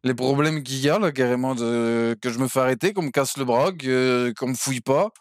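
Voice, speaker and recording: A man's voice: medium pitch, a little fast, no echo. A man streaming a roleplay game as a cheeky defendant, talking in slang and laughing often. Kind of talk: in-character roleplay chat.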